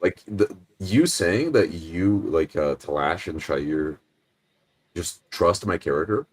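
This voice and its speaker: A man's voice: low voice, expressive, slow pace, slightly rough. A man chatting casually as a player in a tabletop roleplay group. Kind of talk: casual chat.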